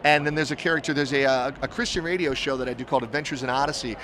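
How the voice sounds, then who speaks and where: A man's voice: medium pitch, steady tone, very fast, a bit bright, a little hiss or hum. A man who is a voice actor, talking about his roles in a friendly, easygoing interview clip.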